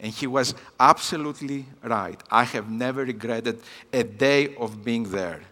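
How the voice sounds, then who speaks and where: A man's voice: medium pitch, measured pace, sharp tone, in a large hall. A man of about fifty with a Greek accent, a native Greek speaker giving a personal talk at a church conference, with many hesitant fillers. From Greece. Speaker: guest missions speaker. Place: church hall.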